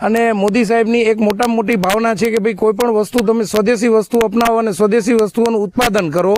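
With very even loudness, a man talks in a monotone, flat intonation. His pitch is high. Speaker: business owner. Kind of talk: interview statement.

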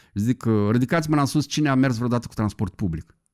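Against a quiet background, a man talks very fast with very wide pitch swings. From Moldova. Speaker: writer; interview guest. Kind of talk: casual interview. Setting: studio. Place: studio. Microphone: studio mic.

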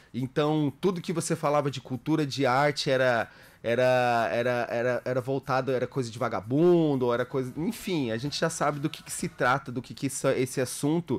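Faint music plays in the background as a man speaks at medium pitch and a moderate pace, with ordinary pitch variation and hardly any pauses. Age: 40s. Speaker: visual artist; guest. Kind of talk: radio interview. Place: studio. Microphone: studio mic.

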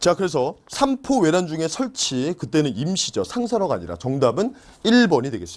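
On a very clean recording with a silent background, a man speaks at a moderate pace. His fairly high voice makes very wide pitch swings. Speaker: history exam lecturer. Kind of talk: lecture.

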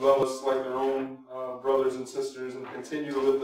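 Faint music plays in the background as a man speaks at a moderate pace amid audible room echo. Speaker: pastor leading prayer. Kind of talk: prayer. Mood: calm, reverent. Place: church.

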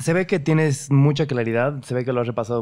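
The man's voice shows ordinary pitch variation. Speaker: podcast host. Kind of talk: casual chat interview. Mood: relaxed, reflective. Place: home room. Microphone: studio mic.

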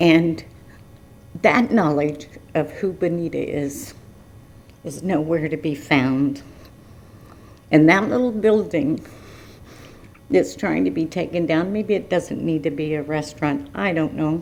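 Over audible room echo, a woman with an American accent speaks at a very deep, low pitch with vocal fry and lively intonation, at a fairly slow pace with long, frequent pauses. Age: 60s. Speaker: resident giving public comment. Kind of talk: public comment at council meeting.

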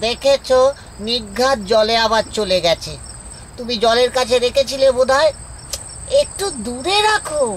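A cartoonish character voice speaks with fairly high pitch at a fairly slow pace. Clear background noise runs underneath. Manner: fearful.

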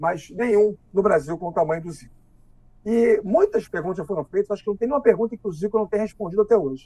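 A man talks with lively intonation. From Brazil. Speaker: sports journalist; sports journalist guest. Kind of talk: interview. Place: home room.

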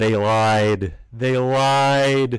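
Against music in the background, a man does a put-on character voice in a dramatic, theatrical tone at a medium pitch with fairly even intonation.

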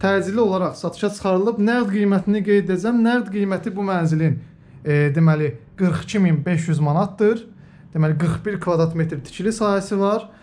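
This man has a high pitch and a dark, mellow tone, talking at a fairly slow pace with ordinary pitch variation. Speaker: real estate agent. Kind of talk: property walkthrough tour. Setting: inside an apartment.

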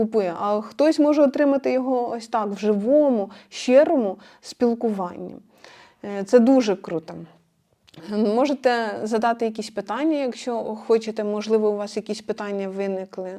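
Against a quiet background, a woman with a dark, mellow tone and fairly high pitch speaks at a moderate pace with ordinary pitch variation. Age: 30s. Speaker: vedic astrologer. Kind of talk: vlog monologue to viewers.

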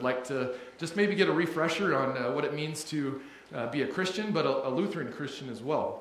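There is audible room echo as a man talks at a fairly quick pace with ordinary pitch variation. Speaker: church minister giving announcements. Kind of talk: church announcements. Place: church. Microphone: camera far.

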